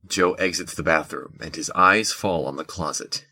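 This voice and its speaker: A man narrates a scripted audio drama. His voice is low and rough-edged, with a forceful, present tone. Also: normal speed.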